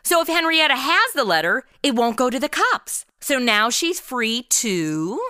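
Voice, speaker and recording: A snarky, modern American woman in her twenties in a comic audio drama. Her voice is bright and swings widely in pitch. She is slangy and exasperated, recorded very dry. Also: big pitch swings, unhurried, smooth, no echo, full character voice. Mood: sarcastic, insistent. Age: young adult. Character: sarcastic modern twenty-something woman zapped into old radio noir. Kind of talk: comedic audio drama, first-person narration and dialogue.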